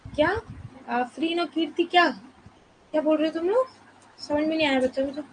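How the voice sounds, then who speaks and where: A woman teaching a live online class, explaining slowly and softly with many rhetorical questions while she is fasting and low on energy. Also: a little hiss or hum, rough recording.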